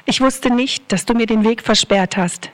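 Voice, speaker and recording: Woman acting out a stubborn angry prophet, shouting, fairly high voice, male figure in a retold scripture story. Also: moderate pace, lightly acted. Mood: contrite. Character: furious stubborn male prophet, later humbled.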